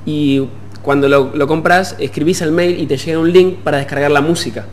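A young Argentine man with a fairly high voice speaks as an interview guest. He explains things in halting phrases, with faint noise and hum behind him. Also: fairly even intonation. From Puerto Madryn, Argentina. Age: young adult. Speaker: musician guest. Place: TV studio. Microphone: desk gooseneck microphone.

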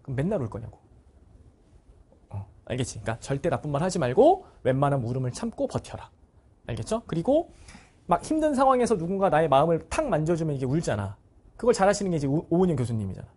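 A man's voice: on the high side, big pitch swings, fast talker, a little mellow, slightly rough. A male cram school teacher giving a blunt, casual motivational talk to his students. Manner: acts out students' voices in short bursts.

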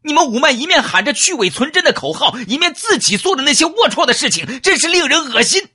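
A man's voice: very high-pitched, big pitch swings, quick pace, pitched above the performer's own voice, heavily acted. A man reading an audiobook, voicing a bitter young male villain who mocks and then rages. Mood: raging. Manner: mocking, then shouting in fury.

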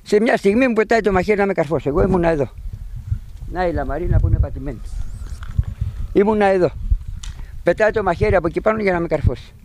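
A middle-aged man outdoors at his sheep pen, retelling to a reporter what happened in an agitated, animated way. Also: high-pitched, pauses often, a little hiss or hum. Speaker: sheep pen owner telling of an intruder. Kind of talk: eyewitness account to a reporter.

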